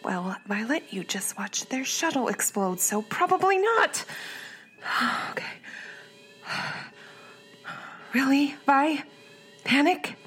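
An actress playing a sarcastic young scientist stranded alone in space, talking and whispering to herself in an audio drama. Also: female voice, high-pitched, animated, slow, long pauses, a bit bright, heavily acted. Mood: anxious. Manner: sardonic self-talk, mutters and whispers to herself. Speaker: stranded ship biologist.

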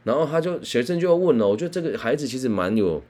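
Animated male storyteller. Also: medium pitch, fast talker. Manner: animated, conversational. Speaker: career counselor. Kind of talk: storytelling talk.

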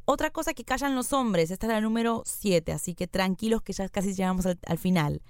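A woman's voice: mid-range voice, brisk, clear, resonant tone, dry recording, studio quality. A young woman with a Rioplatense accent co-hosting a casual podcast, playful and teasing. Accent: Rioplatense Spanish. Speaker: podcast co-host.

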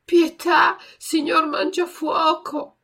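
A woman voicing a frightened wooden puppet boy who pleads in a high, crying voice. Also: sing-song, slow pace, fairly bright tone, breathy edge, full character voice. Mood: pleading crying. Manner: shrill, high, crying pleas.

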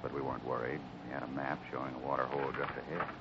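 A man playing a grave, stoic cowboy foreman, speaking with solemn, measured resignation in an old-time radio western. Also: rumbling low, level tone, background noise. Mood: somber recounting. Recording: dull old radio recording with music.

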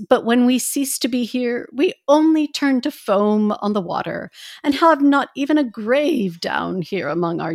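A woman voicing an ancient, wise grandmother from the sea in a fairy tale read aloud, speaking slowly and solemnly with a lilting old-lady voice. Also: fairly high pitch, dry recording, studio quality. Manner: slow, lilting, solemn storybook delivery.

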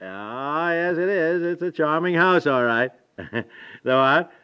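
A man's voice: on the high side, lively intonation, slow, clean tone. An actor playing a flustered, indecisive, good-natured middle-aged American husband in a 1950s radio comedy, stammering and repeating his words. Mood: polite, sheepish. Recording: dull vintage 1950s radio recording.

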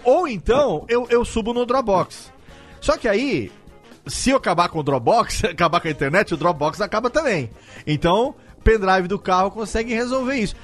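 Animated high-voiced male podcast host. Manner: animated, playful, interrupts and jokes. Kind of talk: casual panel chat.

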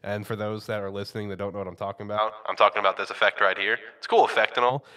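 A man with a fairly low voice hosts a casual sports podcast. He rambles in a loose, chatty way, full of fillers and quick laughs. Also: fairly even intonation, bright, forceful tone. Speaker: podcast host.

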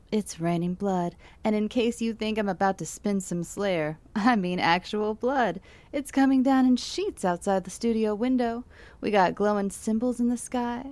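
A woman's voice: medium pitch, darkish tone, no echo, natural voice. A woman playing an easygoing, reassuring late-night radio DJ with folksy patter. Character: calm woman radio DJ on the air.

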